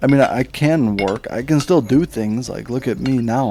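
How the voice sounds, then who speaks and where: The speaker talks at a fairly slow pace while music plays in the background. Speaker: streamer. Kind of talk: live gameplay chat.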